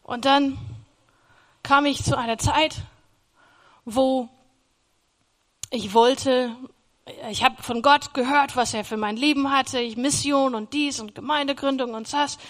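High-voiced woman giving a faith testimony. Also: steady tone, takes it slowly, pauses often. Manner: earnest, storytelling, acts out her own past words; grows loud and emphatic in emotional passages.

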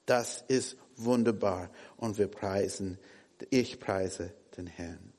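A man whose first language is English preaching a sermon in German, shifting between hushed and emphatic delivery. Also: deep voice, takes it slowly, long reverb tail. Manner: non-native German, swings from hushed to emphatic.

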